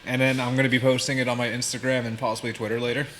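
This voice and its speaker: A man's voice: mid-range voice, level tone, racing. A jokey male podcast co-host chatting casually, prone to chuckling. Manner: jokey, breaks into chuckles often. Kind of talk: casual chat. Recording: clearly noisy background.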